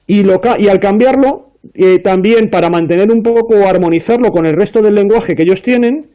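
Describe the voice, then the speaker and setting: High, mellow-voiced man explaining. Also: fairly quick. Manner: explanatory, many fillers and restarts. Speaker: panelist. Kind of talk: casual panel discussion.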